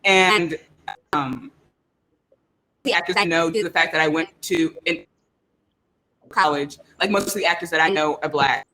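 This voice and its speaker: A woman answering casually as a panelist, in a thoughtful, halting way. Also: sits low, pushed and bright, slight background noise, poor audio. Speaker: panelist, audio drama creator.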